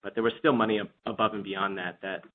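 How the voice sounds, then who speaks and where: A man's voice: on the low side, steady tone, quick pace. A man speaking as a finance executive, giving unscripted earnings call answers with repeated words, over a phone-like line. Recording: phone-like line with faint noise.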